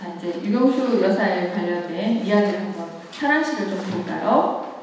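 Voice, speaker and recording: A woman's voice: medium pitch, expressive, moderate pace, darkish tone. Echoey woman in her sixties, lecturing. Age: 60s. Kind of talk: public lecture with expressive poetry recitation. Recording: echoey hall, distant mic, background noise.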